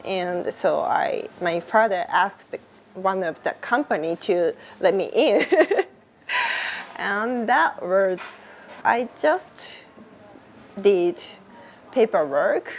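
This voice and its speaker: Slow-speaking Japanese-accented woman. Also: medium pitch, a little hiss or hum. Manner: slow, searching for words, laughs often. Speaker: interviewee, Japanese teacher. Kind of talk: casual interview answers.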